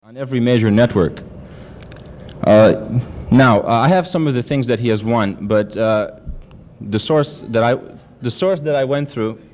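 Over noticeable background noise, a man with a medium pitch speaks at a moderate pace with ordinary pitch variation and long, frequent pauses. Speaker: event moderator. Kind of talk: speaker introduction. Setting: campus ballroom with audience.

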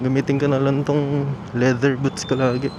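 A man talks in a monotone, flat intonation at a medium pitch, with noticeable background noise around him. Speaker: motovlogger. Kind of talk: vlog narration while riding.

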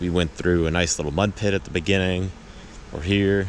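A man's fairly quick, flat, monotone delivery, dry with no echo, over light background noise. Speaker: off-road vlogger. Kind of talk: casual vlog chat. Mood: relaxed, content. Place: forest. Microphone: phone near.

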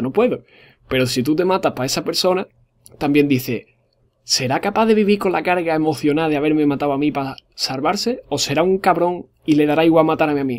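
A man with an unremarkable speaking voice, fairly high for a man, with ordinary pitch variation at a fairly quick pace, on a very clean recording with a silent background. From Spain. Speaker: gaming YouTuber. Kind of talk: Q&A monologue to viewers. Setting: home recording, reading viewer questions. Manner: casual, rambling.

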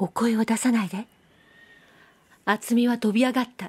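Fairly slow and somewhat breathy, a woman speaks at a fairly high pitch with a dry, close sound and no echo. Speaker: audiobook narrator. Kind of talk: literary fiction reading. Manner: soothing.

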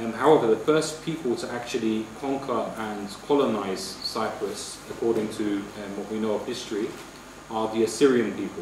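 A man speaks at a moderate pace with audible room echo. Noticeable background noise is present. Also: ordinary pitch variation. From Turkish Cypriot community. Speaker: seminar speaker. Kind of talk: lecture. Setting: community hall with audience. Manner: hesitant with frequent fillers. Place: hall.

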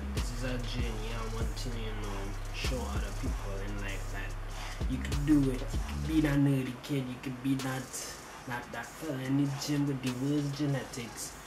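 A man talks at a moderate pace. Music is clearly audible behind him. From Trinidad and Tobago. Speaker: fitness vlogger. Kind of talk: casual talk to camera. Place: home room. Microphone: webcam.

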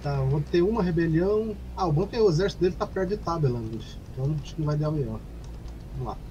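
Rather rapid speech interrupted by frequent long gaps. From Brazil, Paraíba. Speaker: gamer. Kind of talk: casual chat.

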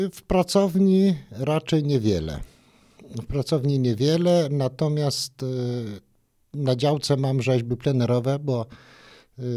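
A dark, mellow tone moves at a fairly slow pace with ordinary pitch variation over a quiet background. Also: man. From north-eastern Poland, Augustów Forest area; north-eastern Poland. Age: old. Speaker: amateur woodcarver; guest. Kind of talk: radio interview. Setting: studio. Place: studio. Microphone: studio mic.

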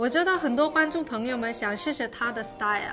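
A woman speaks with a Korean accent. Music plays clearly in the background. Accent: Korean accent in Mandarin. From South Korea. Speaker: entertainment editor, host. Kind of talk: casual talk to camera. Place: studio.

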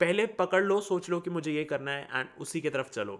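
Against a quiet background, a man talks at a moderate pace. His voice is high-pitched. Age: 20s. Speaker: YouTuber. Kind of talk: unscripted monologue. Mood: earnest advice. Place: home room.

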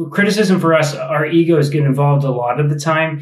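A man speaks somewhat breathily at a fairly quick pace with fairly even intonation, and audible room echo surrounds his voice. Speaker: vlogger living abroad. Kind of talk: casual vlog chat. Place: kitchen. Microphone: camera far.

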